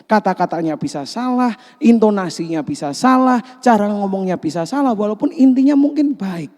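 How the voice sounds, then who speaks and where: A man preaching a sermon as pastor, animated, joking and asking the congregation questions. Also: high voice, normal speed. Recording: long hall reverb.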